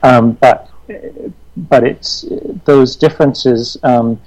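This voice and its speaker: A man from Western Canada, talking reflectively in conversation, thoughtful and halting with many restarts. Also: medium pitch, fairly even intonation, a little mellow, low-quality recording.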